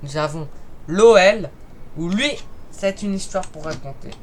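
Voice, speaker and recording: A man's voice: high-pitched, expressive, unhurried. A man from Paris talking casually in an unscripted vlog, often stumbling and correcting himself as he goes. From Paris, France. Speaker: YouTuber ranking football clubs. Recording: noisy recording with clicks.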